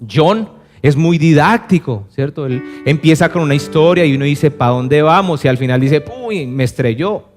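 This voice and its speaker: A man pastor preaching a sermon in a conversational way, asking the congregation rhetorical questions and briefly acting out other voices. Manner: acts out other voices with dramatic pitch swings. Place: church service. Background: soft piano.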